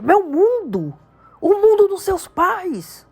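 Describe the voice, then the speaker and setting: A woman voicing a huge, gruff half-giant man who bellows in slow, emphatic outbursts. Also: very high voice, big pitch swings, a little mellow, pitched above the performer's own voice, full character voice. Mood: indignant.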